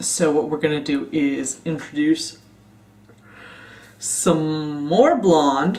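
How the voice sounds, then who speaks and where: Noticeable background noise and audible room echo surround the recording. A woman with a very deep, low pitch speaks with lively intonation. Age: 40s. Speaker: beauty vlogger. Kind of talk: casual vlog. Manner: animated.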